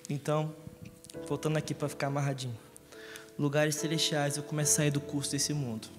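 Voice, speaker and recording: High-ish carioca preacher guy cracking jokes in a sunday sermon, big echoey church, music going. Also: a little fast. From Rio de Janeiro, Brazil. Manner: lively, joking, often asks the congregation questions. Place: church hall. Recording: long church reverb with music behind.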